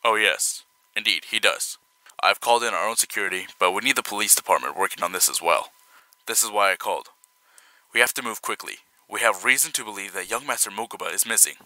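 An actor playing a dutiful personal assistant, formal, polite and grave, in an audio drama. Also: male voice, fairly low pitch, quick pace, sharp tone, poor audio. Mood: grave urgency.

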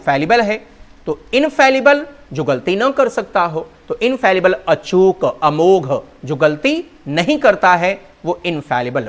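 Speaking Hindi, a man teaches English words and their spelling, spelling each out one letter at a time and calling his pupils "children." His pitch is fairly high.

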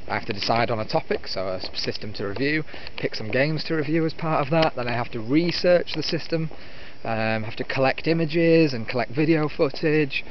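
A man in his twenties chatting in a rambling, casual, grumbling way as a video host, recorded on a handheld camera while walking outdoors. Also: mid-range voice. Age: 20s. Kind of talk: rambling casual vlog chat. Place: outdoors on a walk through countryside. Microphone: handheld camera at arm's length. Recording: muffled outdoor recording with loud ambient noise.

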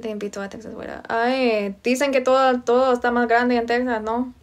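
A woman's voice: on the high side, measured pace. A young woman from Virginia hosting a casual phone livestream at home, reading out and answering viewers' comments, greeting them by name. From United States, Virginia. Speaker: livestream host. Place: indoors, home room. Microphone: phone held close.

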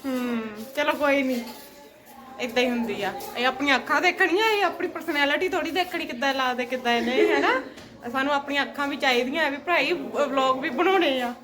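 A woman's voice: high-pitched, brisk, a crowd in the background. A woman chatting casually as a family vlogger, in a dramatic, plaintive exclaiming manner. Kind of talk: casual home vlog chat.

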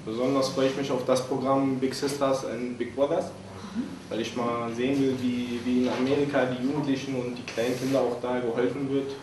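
Relaxed young man in a booming hall. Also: fairly quick, background noise. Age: 20s. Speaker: trainee. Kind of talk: self-introduction. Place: large hall. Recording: very echoey hall from far off.

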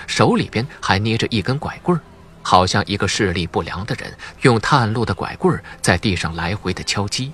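Animated male suspense narrator. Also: lowish voice. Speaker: audiobook narrator. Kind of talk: dramatic scripted narration of a suspense novel. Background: faint music.

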